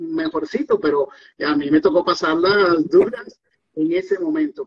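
A man with very wide pitch swings, over a quiet background. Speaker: mentorship student testimonial; guest. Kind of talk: interview testimonial. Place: home room. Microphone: webcam.

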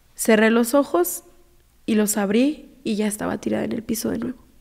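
In a fairly high voice, a woman speaks at a fairly slow pace. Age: 20s. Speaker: abuse survivor. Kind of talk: testimony.

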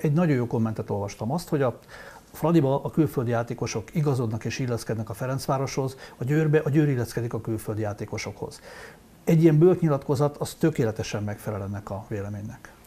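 A man with a medium pitch and a dark, mellow tone, somewhat breathy, at a very fast pace. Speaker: sports journalist. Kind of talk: casual chat.

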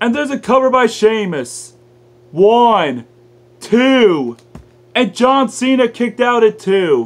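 A high-pitched man speaks very slowly, with ordinary pitch variation and long, frequent pauses. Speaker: wrestling commentator. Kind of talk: live wrestling play-by-play commentary. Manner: animated, building suspense on pin counts. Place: home room. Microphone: camera far.

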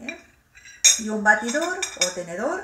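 Speech moves at a fairly slow pace with audible room echo. Light background noise is present. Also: woman. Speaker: presenter. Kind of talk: tutorial. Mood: warm, friendly. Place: kitchen. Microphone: phone near.

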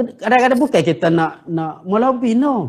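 Against a quiet background, a man talks with lively intonation. His pitch is extremely high. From Malaysia. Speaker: university vice-chancellor. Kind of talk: lecture. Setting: video call. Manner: code-switching between Malay and English. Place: office. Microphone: lapel.

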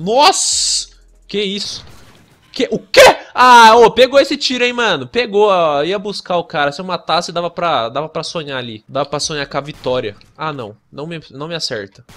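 Over background music, a man with a high pitch talks at a moderate pace, his pitch swinging very widely and his loudness rising and falling sharply. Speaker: gaming youtuber. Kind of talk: gameplay commentary. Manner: animated.

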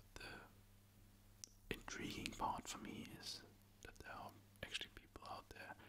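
The voice is whispering at a very slow pace. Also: man. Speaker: ASMR creator. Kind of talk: ASMR ramble. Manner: soft-spoken and whispered. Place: home room.

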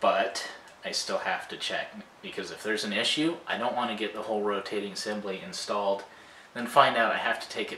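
Audible room echo and light background noise surround a man. He speaks at a fairly quick pace. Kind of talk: tutorial. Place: garage. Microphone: camera far.

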